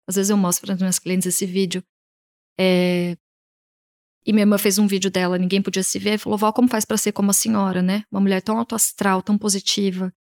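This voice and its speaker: A Brazilian woman with a Brazilian Portuguese accent, an image consultant answering interview questions in an animated way, often voicing what her clients say. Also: mid-range voice. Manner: animated, talks in quoted client voices.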